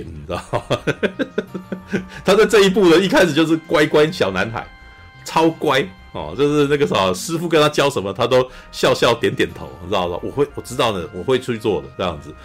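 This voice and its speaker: A man from Taiwan, co-hosting a podcast and chatting casually about a film, animated, acting out scenes and often saying "you know". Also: medium pitch, fairly quick, slightly rough, faint music behind. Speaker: podcast co-host. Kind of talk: casual film review chat.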